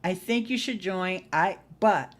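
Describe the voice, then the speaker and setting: A woman's voice: on the low side, unhurried. A middle-aged woman chatting casually to livestream viewers as host, folksy and playful, leaning on words for emphasis. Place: small indoor home studio. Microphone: desktop microphone close by.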